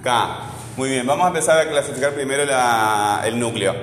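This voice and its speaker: A man's voice: mid-range voice, moderate pace, a bit bright, slight background noise. A man teaching a grammar lesson to a student, patiently asking questions and repeating her answers. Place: classroom. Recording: echoey classroom with long reverb.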